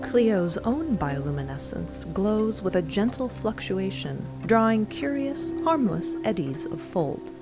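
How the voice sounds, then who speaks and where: A woman's voice: mid-range voice, big pitch swings, unhurried, few pauses, loud music behind the voice. A woman narrator reading scripted audio fiction.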